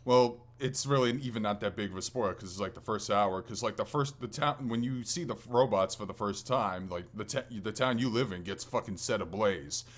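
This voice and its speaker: A man with a fairly low-pitched voice speaks as co-host of a gaming podcast. He talks casually, as if reading out listener questions and chatting them over with a friend. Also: fairly quick, few pauses.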